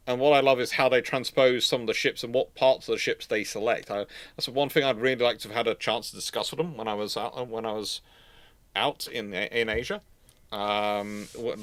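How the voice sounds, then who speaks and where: A man's voice: medium pitch, fairly bright tone, no room sound. A man hosting a live stream, rambling casually as he answers viewers' questions. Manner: rambling, tangent-prone. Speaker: host of a naval history live stream.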